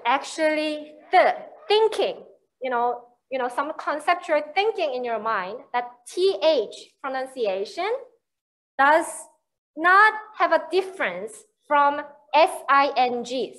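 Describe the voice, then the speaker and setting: Woman lecturer with a Korean accent, high voice, slow deliberate explaining pace. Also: a bit bright, rough recording. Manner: slow, explanatory, frequent "you know" and "right". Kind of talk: university lecture.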